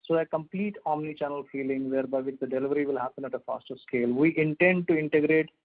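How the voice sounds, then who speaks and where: A man's voice: on the high side, fairly even intonation, quick pace. A man speaking as a company executive, giving a formal business answer on a conference call. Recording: narrowband phone line.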